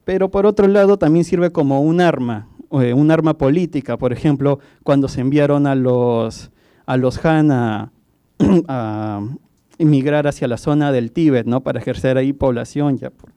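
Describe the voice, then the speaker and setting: A man's voice: medium pitch, normal speed, dark tone, clear, resonant tone, no room sound. A man speaking in an academic discussion, with hesitant fillers as he explains.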